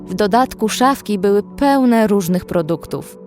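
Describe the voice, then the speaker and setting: An actress playing a young female survivor, caring and anxious, narrating a horror audio drama in measured, emotive storytelling. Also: medium pitch, animated, a little mellow, soft background music, lightly acted. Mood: calm, reflective.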